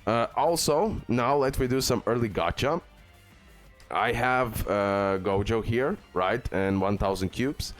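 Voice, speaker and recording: A man's voice: mid-range voice, unhurried, soft background music. A man hosting a gaming video, giving casual, informal guide commentary peppered with bro and okay.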